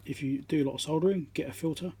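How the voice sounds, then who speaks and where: A man giving casual hands-on commentary as he works, halting and half talking to himself while he concentrates, recorded on a phone at an indoor workbench. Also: fairly high pitch, mellow, husky. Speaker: electronics repairer, channel host. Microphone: phone on a tripod above the work. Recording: noisy room recording on a phone.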